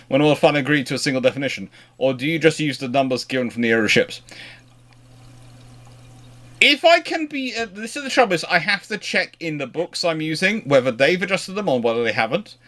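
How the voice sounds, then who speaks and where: A man's voice: fairly high pitch, fairly bright tone. Discursive man answering audience questions. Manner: discursive, halting, often rephrasing mid-sentence. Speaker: naval history livestream host answering questions. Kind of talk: informal question-and-answer talk.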